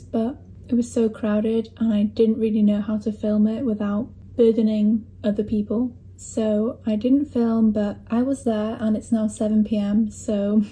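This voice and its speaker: A young woman talks casually to the camera about her day as a student. Her voice is a little high but soft and mellow, and her chat is self-deprecating, broken up by small laughs. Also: poor audio. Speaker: university student vlogger. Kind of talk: casual vlog narration.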